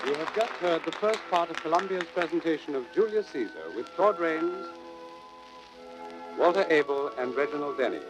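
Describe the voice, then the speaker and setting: A man's voice: fairly high pitch, lively intonation, normal speed, rough recording. A man announcing formally from a script in the manner of a 1930s radio network announcer. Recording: old radio broadcast with loud music.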